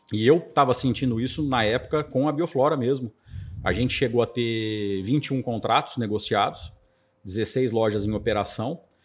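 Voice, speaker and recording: A man speaks with a plain, everyday voice at a medium pitch. His pace is moderate and his pitch variation ordinary. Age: 40s. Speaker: franchise founder. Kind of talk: interview.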